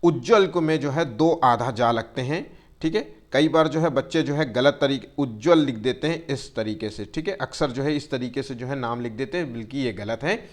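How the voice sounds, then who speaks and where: A man teaching a Hindi grammar exam-prep lesson, constantly using fillers, checking in with his students and drawing words out slowly to spell them. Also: medium pitch. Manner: tells students to take care and keeps checking "theek hai".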